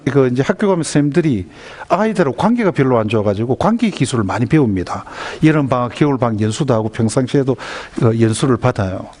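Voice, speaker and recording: A man giving a lecture to parents, often asking the audience questions. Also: mid-range voice. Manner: lively, asks the audience questions. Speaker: lecturer on school violence prevention.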